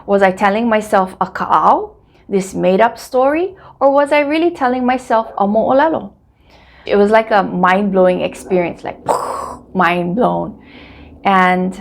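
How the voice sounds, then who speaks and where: A middle-aged woman from Hawaii with a Hawaiian English accent gives a casual language lesson. Her voice has a gravelly fry and sits at an ordinary pitch. She is friendly and says words slowly so viewers can repeat them.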